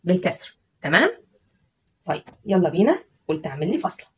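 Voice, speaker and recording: A woman teacher with an Egyptian Arabic accent and a low-side, breathy voice with big pitch swings leads a children's spelling and dictation lesson. Patient and coaxing, she stretches syllables out slowly and sounds letters one by one.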